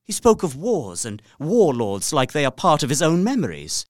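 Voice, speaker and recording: A man's voice: on the high side, wildly swooping pitch, moderate pace, dry recording, studio quality. An actor playing an uneasy young solicitor, narrating his journal formally and dramatically in an audio drama. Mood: wary, anxious.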